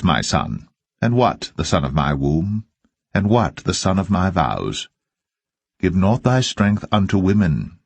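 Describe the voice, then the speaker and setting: A man reading scripture aloud as solemn narration, with measured and deliberate phrasing. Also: sits low, creaky, a little mellow, slightly rough, no echo. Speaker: Bible reader.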